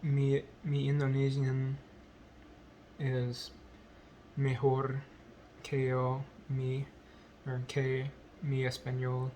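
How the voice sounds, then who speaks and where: A man whose first language is English, speaking in a halting vlog as a learner, full of pauses, ums and self-corrections. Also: medium pitch, monotone, dark tone, slight background noise, rough recording. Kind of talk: halting unscripted speech practice.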